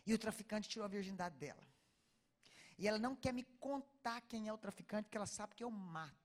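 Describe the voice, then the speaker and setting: A Brazilian woman preaching with a mid-pitched voice. She tells a story dramatically and acts out every line of dialogue. Her voice drops to a hush and then rises to near shouting. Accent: Brazilian Portuguese. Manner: dramatic storytelling, acting out dialogue, swings from hushed to loud. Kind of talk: sermon storytelling.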